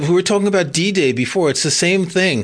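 In a plain, everyday voice, a man with an American accent speaks at a fairly quick pace. His intonation is lively, and the background is quiet. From New York City. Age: 60s. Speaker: podcast host. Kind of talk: interview.

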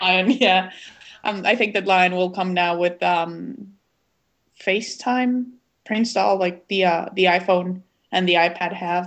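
A woman of medium pitch speaks fairly slowly with a slight Spanish accent, very even loudness and long, frequent pauses. The background is quiet. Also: fairly even intonation. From Guatemala (Guatemala City). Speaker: podcast co-host, graphic designer. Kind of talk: casual chat. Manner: halting, many fillers.

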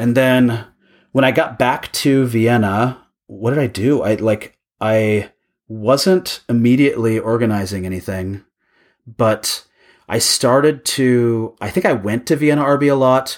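On a very clean recording with a silent background, a man with an American accent speaks at a fairly slow pace and medium pitch, with ordinary pitch variation. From US Pacific Northwest, north of Seattle. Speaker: software developer and meetup organizer. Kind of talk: casual interview chat. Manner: halting with many repeated words.

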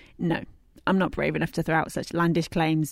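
The sound is dry and close with no echo as a woman speaks with a British accent. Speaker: podcast host. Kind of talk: scripted narration.

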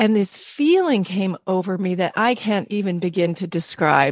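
Against a quiet background, a woman speaks at a fairly slow pace and medium pitch in an ordinary speaking voice. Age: 50s. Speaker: radio producer and literacy program founder. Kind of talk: casual chat.

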